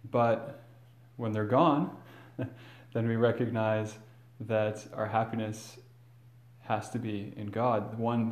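A male priest reads the Gospel and then delivers a homily, measured and earnest, with a few fillers and restarts. His mid-range voice has a darkish tone, and the large church around him gives a cathedral echo.

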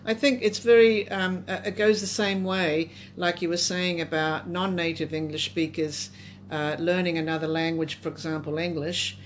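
A woman's voice: fairly low pitch, flat delivery, moderate pace, a little hiss or hum. A woman moderating a conversational discussion, putting questions and responding.

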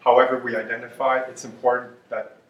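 A man's voice: mid-range voice, level tone, fast, roomy sound, distant mic, lo-fi sound. A man in his fifties speaking earnestly and emphatically on a panel. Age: 50s. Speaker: panelist in business development. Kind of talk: casual panel discussion.

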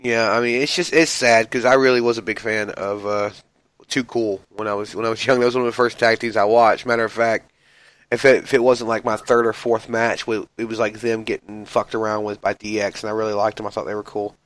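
A man's voice: fairly low pitch, little pitch movement, a little fast, a bit bright, no echo, poor audio. A man hosting a casual wrestling podcast while sick and coughing, joking boastfully about his own greatness. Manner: boastful, joking self-praise. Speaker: podcast host.

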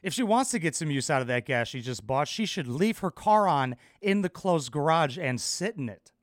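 A man with a high, very lively voice tears into a reality TV clip with sarcastic, profane commentary. The sound is dry and close, with no room around it. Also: moderate pace, no echo. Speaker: podcast host reacting to a TV clip. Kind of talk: casual reaction commentary.

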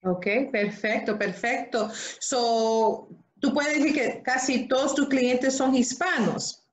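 A woman's voice: a little high, takes it slowly, reverberant, poor audio. A woman hosting an interview, asking friendly questions and affirming with short interjections. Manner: chatty, affirming with "ujú" and "qué bueno". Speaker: interviewer host.

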